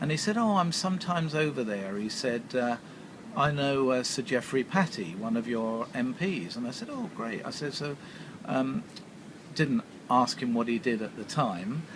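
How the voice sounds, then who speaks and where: A man with an English accent speaks at a medium pitch and moderate pace, his intonation lively, amid noticeable background noise. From England, Kent. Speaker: businessman, hairdressing entrepreneur. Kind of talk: interview storytelling. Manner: halting with fillers.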